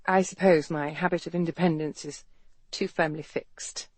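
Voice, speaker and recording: A woman puts on a proud, independent young Victorian physician who answers crisply and keeps her guard up. Her voice sits a touch low, recorded close and dry, storybook audiobook style. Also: fairly even intonation, moderate pace, no room sound.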